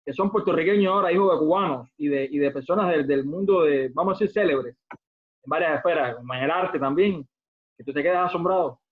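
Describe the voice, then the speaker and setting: A man interviewing a guest, giving short affirmations and measured remarks in a casual talk. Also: a little high, husky. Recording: tinny phone-like line.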